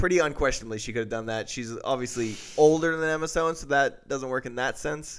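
Speaking at a fairly quick pace, a man with a fairly high pitch has an unremarkable speaking voice on a very clean recording with a silent background. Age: 30s. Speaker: podcast host. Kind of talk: casual chat.

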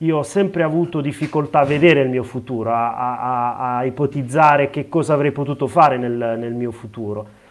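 A fairly high-pitched male voice at a fairly quick pace, with ordinary pitch variation and hardly any pauses. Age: 30s. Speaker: pastor. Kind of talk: interview testimony. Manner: halting, frequent repetitions.

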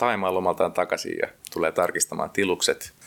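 A man talks at a moderate pace. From Helsinki, Finland. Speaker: musician. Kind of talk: casual interview. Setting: studio building cafe.

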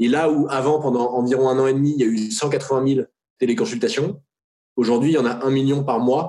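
The voice has a dark, mellow tone, a fairly quick pace, very even loudness and ordinary pitch variation. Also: man, medium pitch for a man. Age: 20s. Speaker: employee of a health-tech company. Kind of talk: interview. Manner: hesitant, many fillers.

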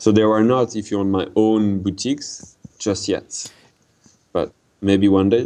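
A man at a fairly low pitch, fairly slow and with fairly even intonation, broken by long, frequent pauses. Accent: French. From France. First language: French. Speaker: watch brand founder. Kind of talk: interview. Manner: halting.

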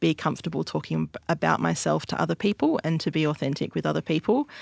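Someone talks at a fairly quick pace with an Australian accent on a very clean recording with a silent background. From Western Australia (Albany). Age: 30s. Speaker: LGBTIQA+ advocate. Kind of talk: personal interview storytelling.

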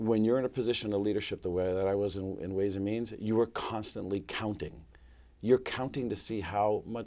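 An ordinary speaking voice from a man with an American accent, fairly low in pitch, with ordinary pitch variation, a fairly quick pace and a very clean recording with a silent background. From Boston, Massachusetts (Mission Hill). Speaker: former state legislator. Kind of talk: interview. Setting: studio with audience.

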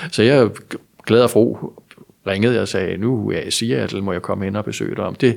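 This is a man speaking in a fairly low pitch. His voice carries vocal fry. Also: ordinary pitch variation, moderate pace. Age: 60s. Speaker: author. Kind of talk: interview.

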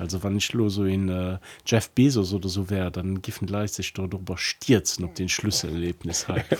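A man's very deep, low pitch, fairly even intonation and a fairly quick pace. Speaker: podcast co-host. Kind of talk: casual philosophical discussion. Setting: recording studio.

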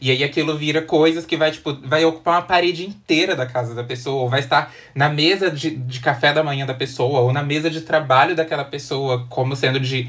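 A man with a plain, everyday voice talks fairly quickly and with hardly any pauses, his fairly high pitch held in fairly even intonation. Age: 30s. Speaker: content creator. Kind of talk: casual chat.

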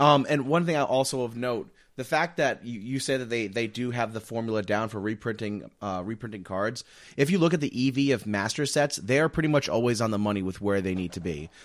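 A normal speaking voice: a man at medium pitch with lively intonation and a fairly quick pace, in a very clean recording with a silent background. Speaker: podcast host. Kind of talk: casual debate.

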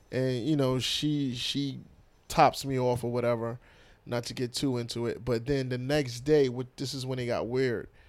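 With a New York accent, a man talks at a moderate pace. His medium-pitched voice stays monotone and flat. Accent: New York (Bronx). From New York City, the Bronx. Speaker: comedian and podcaster. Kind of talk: casual chat. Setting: on a couch at the host's home.

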